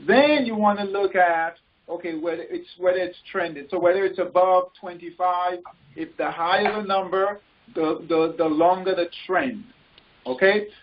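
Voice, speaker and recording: A man leading a group call as a coach, informally explaining things in halting, repeated phrases and often checking in. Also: high voice. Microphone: conference call line. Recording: muffled, noisy conference call audio with clicks.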